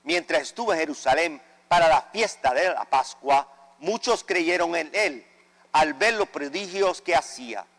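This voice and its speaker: A man serving as priest, reading the Gospel at Mass in a measured, solemn way. His voice carries a cathedral echo. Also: a little high, animated, fairly bright tone. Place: large church. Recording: cathedral echo with long reverb.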